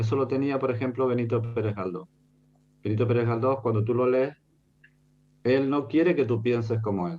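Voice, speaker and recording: With a Canarian accent, a man speaks at a medium pitch in a dark, mellow tone. His pitch varies in an ordinary way, and his pace is fairly quick. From Canary Islands, Spain. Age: 60s. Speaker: author. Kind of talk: book presentation interview. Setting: video call.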